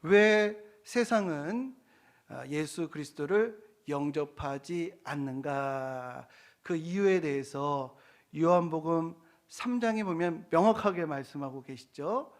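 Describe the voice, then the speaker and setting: A man's voice: a little high, slow pace. A middle-aged man, a senior pastor, preaching a sermon in an earnest way and posing rhetorical questions to his congregation.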